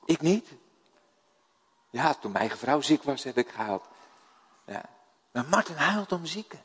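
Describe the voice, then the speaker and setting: This older Dutchman, from the Netherlands, delivers a sermon full of lively storytelling and questions for his listeners. His fairly high, husky voice moves a little slowly, echoing with long hall reverb.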